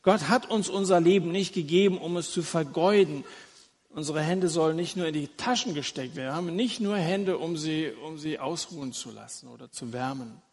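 A man's voice: on the high side, a little fast, darkish tone, long reverb tail. A man preaching an evangelistic sermon, earnest and inviting, talking straight to his listeners.

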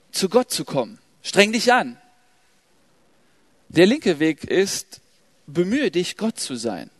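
A man preaching to young people, emphatic and urgent, then dropping to a soft, quiet prayer. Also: medium pitch, no room sound. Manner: emphatic, swings from loud exhortation to soft prayer. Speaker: youth preacher. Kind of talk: sermon.

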